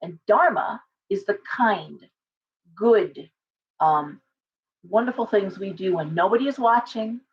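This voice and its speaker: A middle-aged woman, a tarot reader, chatting casually on a livestream from her living room, hoarse from coughing and rambling with many restarts. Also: medium pitch, very animated, measured pace, slight background noise. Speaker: tarot reader and shop owner. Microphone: webcam at desk distance. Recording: slightly dull lo-fi webcam audio.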